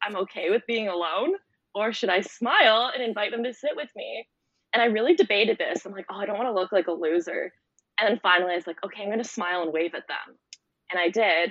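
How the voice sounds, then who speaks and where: With a Canadian accent, a woman speaks in an unremarkable speaking voice at medium pitch, using ordinary pitch variation and a fairly quick pace. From Toronto, Canada. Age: 20s. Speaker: retreat host and TikTok content creator. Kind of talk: casual chat.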